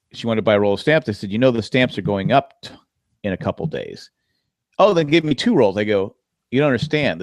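On a casual podcast he co-hosts, a man with a lowish voice spins animated stories, voicing customers' lines loudly. The audio is studio quality with no echo.

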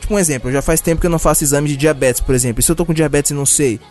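A man's voice: fairly high pitch, very fast, darkish tone, faint music behind. A man co-hosting a casual podcast, goofy and self-mocking. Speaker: podcast co-host. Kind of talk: casual chat.

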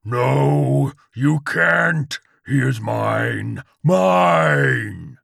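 A man voicing a menacing, possessive demonic Chihuahua with a deep growl and slow, commanding delivery, in a narrated story. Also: lively intonation, vocal fry, fairly bright tone, no echo, clean studio sound, exaggerated voice. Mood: desperate, furious.

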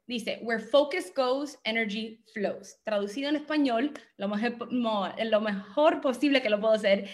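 A middle-aged woman coach giving a motivational training talk from her home office, speaking Spanish with many English words slipped in. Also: on the high side. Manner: mixes English words into Spanish, self-deprecating about her Spanish. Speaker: guest speaker and business coach.

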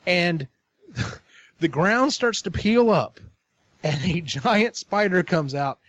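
A man retells a story in casual chat with a fairly high, very lively voice. He talks in an animated way and swears freely. The recording sounds dull and lo-fi. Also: slow pace, no room sound.

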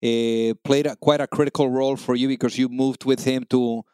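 A man's voice: medium pitch, fairly even intonation, fairly quick, darkish tone, clean tone, no echo, clean studio sound. A man hosting a business podcast, introducing his guest and asking questions with enthusiasm and frequent restarts. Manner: enthusiastic, repeats words when restarting. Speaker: podcast host. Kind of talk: conversational interview.

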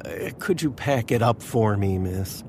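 An actor playing a nervous, deadpan presidential aide who tells his story with dry quips in a comic radio play. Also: on the low side, unhurried, a little hiss or hum.

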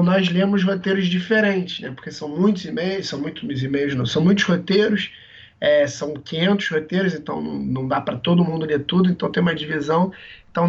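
A man, hoarse from a cold, co-hosting a podcast in casual, rambling chat with many restarts. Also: fairly high pitch, lo-fi sound. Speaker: podcast co-host.

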